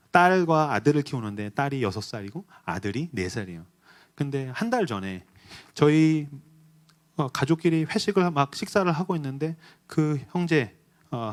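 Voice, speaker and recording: A middle-aged man preaching a sermon in a church sanctuary. His pitch swings widely as he tells a story with feeling, rising to loud exhortation and then dropping to hushed retelling. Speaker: pastor.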